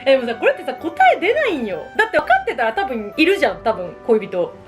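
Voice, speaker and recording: Female, 30s, quick and high-pitched, giggly confessional vlogger talking over a meal. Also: big pitch swings, soft background music. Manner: self-deprecating, giggly, acts out imagined remarks. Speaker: solo vlogger. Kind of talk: casual confessional chat, reacting to relatable dating woes.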